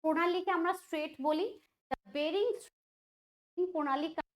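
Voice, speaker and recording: A woman's voice: extremely high pitch, fairly even intonation, moderate pace. A woman teaching an online quiz lesson, chatty and thinking aloud, often asking the students questions. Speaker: exam prep teacher.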